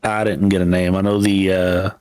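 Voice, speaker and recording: A man's voice: deep voice, level tone, normal speed, a little mellow, clean tone, dry recording, faint music behind, low-quality recording. A man narrating a tabletop role-playing game as storyteller, rambling with many fillers. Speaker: game master.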